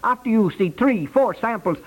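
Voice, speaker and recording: Exasperated painter, blunt, stubborn, highish lively voice, working-class grammar, old-time radio comedy. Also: male voice, moderate pace. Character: exasperated, stubborn veteran male house painter. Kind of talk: 1950s radio comedy acting. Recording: vintage 1950s radio recording.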